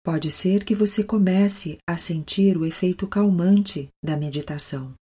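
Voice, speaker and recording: Slow, low Brazilian woman guiding meditation like a yoga teacher. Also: slightly rough. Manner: calm, soothing yoga-teacher delivery with long pauses. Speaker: guided meditation instructor. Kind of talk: guided meditation.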